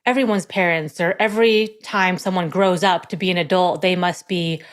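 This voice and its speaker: A woman's voice: fairly low pitch, steady tone, normal speed. A middle-aged woman, an executive coach, chatting as a guest in an interview, friendly and thoughtful, laughing easily. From born in South Korea, raised in the United States. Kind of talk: casual interview conversation.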